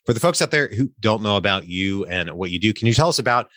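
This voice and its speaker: A man's voice: fairly low pitch, lively intonation, fast, a bit bright, dry recording, studio quality. A man hosting a podcast, reading an upbeat intro with a slightly congested, nasal voice. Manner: upbeat, salesy call-to-action delivery. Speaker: podcast host.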